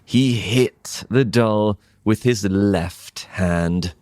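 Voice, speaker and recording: Very slow, low-pitched British male storyteller. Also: a little mellow, dry recording, clean studio sound. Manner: deliberate, simple phrasing with frequent pauses. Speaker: English teacher and storyteller. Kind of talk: slow storytelling for English learners.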